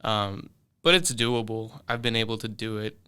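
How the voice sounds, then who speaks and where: Young man with a bright, clear voice. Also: on the low side, normal speed. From London. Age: 20s. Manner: relaxed, hesitant, many fillers and restarts. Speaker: guest musician. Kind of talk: casual interview answers. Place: studio.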